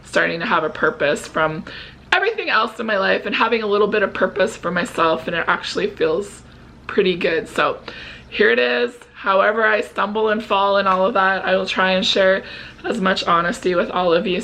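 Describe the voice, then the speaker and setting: With a mid-range, lively, slightly bright voice, she talks briskly over poor audio that carries a little hiss or hum. She is a 49-year-old vlog host nearing fifty, sharing a casual, earnest, confessional chat with viewers.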